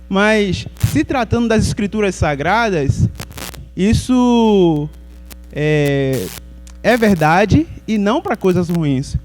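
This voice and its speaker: A man's voice: high voice, darkish tone, poor audio. A man from Salvador, Brazil, preaching a sermon in a conversational way and putting questions to the congregation.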